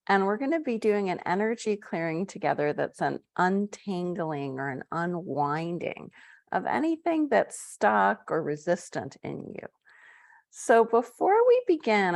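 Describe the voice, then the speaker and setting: Woman, meditation guide, very slow delivery, soft gentle phrasing, dry close sound. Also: medium pitch, no echo. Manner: soft, slow guiding with drawn-out phrases and fillers. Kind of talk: live-streamed guided meditation.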